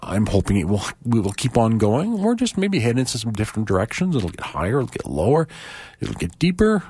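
A man hosting a music radio show, talking casually between tracks with a hoarse, croaky voice, loose and chatty with asides. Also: medium pitch, wildly swooping pitch, fairly quick, a little mellow. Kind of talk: relaxed radio back-announcing.

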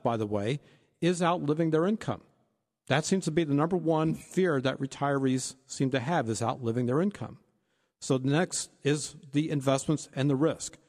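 A fairly high-pitched man co-hosts a financial advice talk, working through retirement planning points one at a time. He's a financial advisor with a steady, explanatory manner, and the audio has a big-room sound.

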